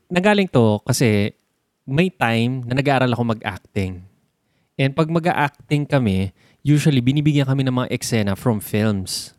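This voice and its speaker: A young Filipino man talks casually about movies and mixes English into his speech. His pitch sits in the middle, and he explains eagerly with vivid examples. The recording is dry and close to the mic, with no room sound. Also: lively intonation, moderate pace, a little mellow, no echo. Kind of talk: casual chat about films.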